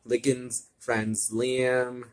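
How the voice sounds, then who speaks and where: A man voicing a brisk, bossy young female teammate in a fan fiction story, matter-of-fact in delivery. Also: mid-range voice, little pitch movement. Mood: brisk, decisive.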